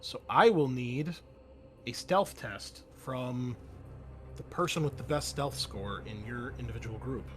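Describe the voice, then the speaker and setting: A man narrating a tabletop game as game master, talking to his players in a halting, conversational way. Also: medium pitch, fairly bright tone. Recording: music behind the voice. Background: background music.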